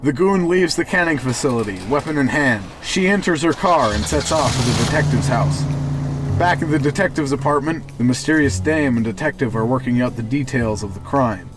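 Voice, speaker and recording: A man's voice: medium pitch, expressive, fairly quick. A young man reading scripted narration for an amateur radio play. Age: teens or young adult. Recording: amateur recording with music underneath.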